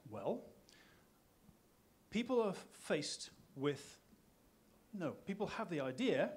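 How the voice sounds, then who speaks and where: A man's high-pitched voice with an English accent, very wide pitch swings, a fairly slow pace and long, frequent pauses, in audible room echo. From England. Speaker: conference speaker, food marketing consultant. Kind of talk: conference talk. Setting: stage with audience. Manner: humorous, lively.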